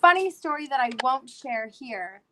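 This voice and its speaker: Casting: twenty-something woman, livestream host, slightly high voice, lost voice, rambling and chatty, faint hiss behind. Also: lively intonation, normal speed. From South Florida. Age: 20s. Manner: chatty, rambling with many fillers. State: lost her voice. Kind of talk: casual livestream chat.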